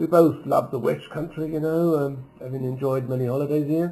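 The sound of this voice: Speaking at a fairly quick pace in a London accent, a man keeps a fairly high pitch with monotone, flat intonation.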